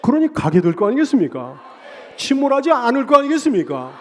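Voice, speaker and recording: A man preaching a Sunday sermon as a pastor. He repeats phrases and asks rhetorical questions, building loud on key lines and dropping low on others. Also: very animated, fairly quick, a faint crowd, slight background noise. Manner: emphatic repetition and rhetorical questions.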